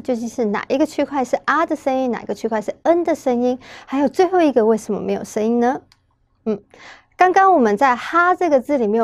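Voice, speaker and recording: A woman's voice: fairly high pitch, no room sound, clean studio sound. A woman with a Taiwanese Mandarin accent teaching a patient, step-by-step pronunciation lesson, asking questions and then answering them. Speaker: Korean language teacher.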